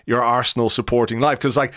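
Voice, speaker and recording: Smooth-voiced middle-aged male podcast host. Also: mid-range voice, steady tone, a bit bright, dry recording, studio quality. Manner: measured, wordy questions with restarts. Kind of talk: conversational interview.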